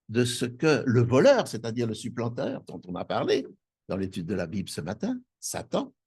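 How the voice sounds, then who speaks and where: Here a man talks at a medium pitch with lively intonation. His voice is somewhat breathy. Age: 70s. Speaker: preacher. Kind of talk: sermon. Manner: halting, many hesitations.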